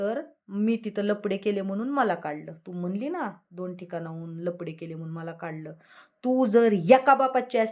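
A woman's medium-pitched voice with lively intonation. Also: big swings in loudness. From Latur, Maharashtra. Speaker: social media commentator. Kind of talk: angry rant.

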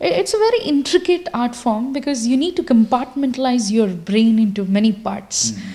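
Hardly pausing at all, a woman with a Kannada accent talks at a moderate pace and a high pitch with lively intonation. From India, Bangalore. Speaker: ventriloquist. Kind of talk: interview.

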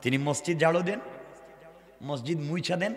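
Amid noticeable background noise and audible room echo, a man speaks in an animated tone with a fairly high pitch and ordinary pitch variation. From Bangladesh, Sylhet. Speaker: Islamic preacher. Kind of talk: sermon.

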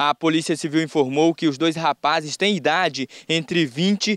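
A man in an ordinary speaking voice talks at a fairly slow pace and fairly high pitch with fairly even intonation, on a very clean recording with a silent background and a dry, close sound with no echo. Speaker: field reporter. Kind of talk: live news report. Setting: outdoors on location.

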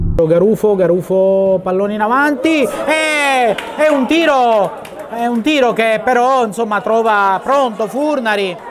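Crowd noise fills the background as the speaker talks at a very slow pace. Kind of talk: live football commentary. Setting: at the stadium in Mazara del Vallo. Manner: excitable, shouting and repeating 'gol' on goals.

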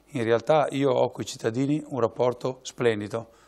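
A man talks with a dark, mellow tone and ordinary pitch variation. The background is quiet. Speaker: city mayor. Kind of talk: TV interview. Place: studio. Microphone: lapel.

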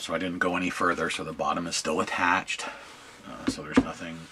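Over noticeable background noise, a man with a very deep, low voice talks very fast. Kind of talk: tutorial. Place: workshop.

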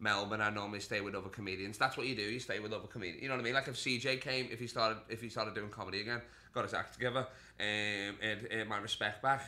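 A man talks very fast in a Scouse accent. His pitch is fairly low and his intonation fairly even. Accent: Scouse (Liverpool English). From Liverpool, England. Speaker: comedian. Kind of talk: casual chat. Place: home room. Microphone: camera far.

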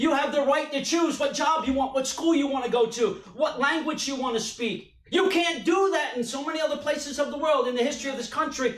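With an American accent and an animated tone, a man speaks at a fairly quick pace in an extremely high pitch, with audible room echo around him. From US. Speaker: pastor. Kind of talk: sermon. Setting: online church service, viewers at home. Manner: animated, exhorting. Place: church.

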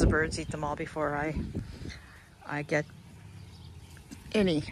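Against noticeable background noise, a woman speaks at a moderate pace in a dry sound with no echo. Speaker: home gardener vlogger. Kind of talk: casual vlog chat. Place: garden. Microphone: phone near.

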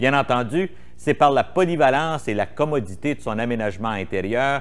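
The voice swings very widely in pitch and carries vocal fry. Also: man. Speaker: sales trainer presenter. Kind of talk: vintage corporate sales training video narration. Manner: formal, polished, even-paced and businesslike; upbeat, promotional, salesy. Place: studio.

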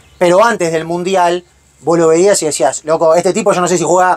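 Over noticeable background noise, a man with a high pitch talks at a fairly quick pace with fairly even intonation. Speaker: interviewer. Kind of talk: casual chat. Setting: football stadium.

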